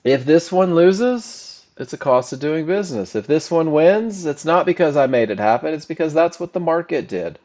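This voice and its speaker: A man's voice: a little high, lively intonation, moderate pace, hardly any pauses, darkish tone. A man giving a live trading lesson as an instructor, addressing a group in short, emphatic phrases and often checking that they follow. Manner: emphatic, with short punchy phrases and rhetorical questions. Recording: slightly dull, lo-fi audio.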